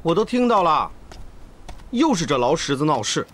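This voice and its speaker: A man's voice: a little high, very animated, normal speed, fairly bright tone, slight background noise. Petulant young nobleman. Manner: petulant, defiant. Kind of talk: period TV drama acting.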